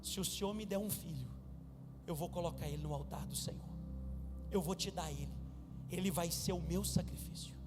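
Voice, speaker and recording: A male pastor voices a sorrowful young woman pleading earnestly. The pitch sits high, and the long reverb of a church hall carries it over background music. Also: normal speed, long pauses, close to an everyday voice.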